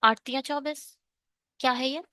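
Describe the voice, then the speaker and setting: A woman's voice: sits high, fairly even intonation, moderate pace, sharp tone, no echo, studio quality. A woman teaching an online exam-prep math lesson, working through a problem step by step and asking and answering her own questions.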